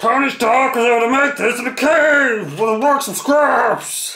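A put-on, high-pitched character voice comes at a moderate pace with audible echo. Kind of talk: casual vlog chat. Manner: angry, shouting.

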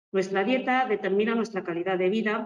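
In an ordinary speaking voice, a woman speaks at a fairly quick pace with a medium pitch and ordinary pitch variation. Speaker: food research director. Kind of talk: technical presentation. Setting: video call.

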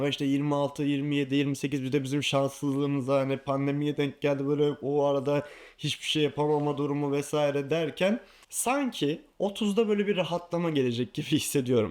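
A man with a plain, everyday voice talks at a moderate pace with hardly any pauses. His pitch is fairly high with ordinary variation, on a very clean recording with a silent background. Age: 20s. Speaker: YouTuber. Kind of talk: personal vlog monologue.

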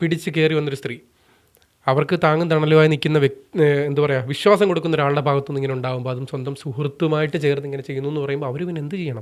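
A man's voice with a fairly high pitch. His intonation stays fairly even in an unremarkable speaking voice. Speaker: vlogger. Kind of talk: commentary monologue.

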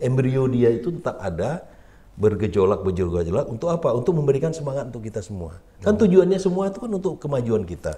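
At a very fast pace, a man speaks in a medium pitch with very wide pitch swings, vocal fry and a dark, mellow tone. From Aceh, Indonesia. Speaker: retired civil servant and politician; politician. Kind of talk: podcast interview. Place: studio. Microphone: studio mic.

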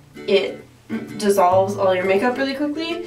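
Ordinary pitch variation over clear music in the background. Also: woman. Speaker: vlogger. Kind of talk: casual vlog chat. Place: bathroom.

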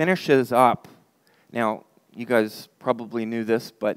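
The delivery is fairly slow, with fairly even intonation. The background is quiet. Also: man. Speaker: pastor. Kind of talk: sermon. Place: church. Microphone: headset.

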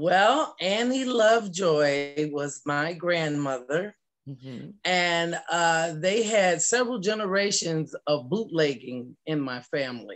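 Lively intonation marks a woman's fairly low-pitched voice. She speaks at a very slow pace over light background noise. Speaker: interviewee. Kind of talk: interview answer. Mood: cheerful, amused. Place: home room. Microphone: video call.

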